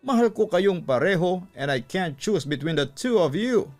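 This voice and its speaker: A man's voice: high-pitched, expressive, moderate pace, pitched above the performer's own voice. A man voicing a torn, pleading cheating husband in a dramatized radio story, earnest and insistent, drawing out his words. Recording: music under the voice.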